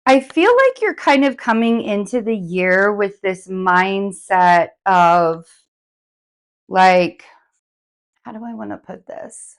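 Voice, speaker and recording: A hoarse woman giving a casual, chatty tarot forecast, rambling with many fillers as she recovers from laryngitis. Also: mid-range voice, expressive, slow pace. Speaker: tarot reader.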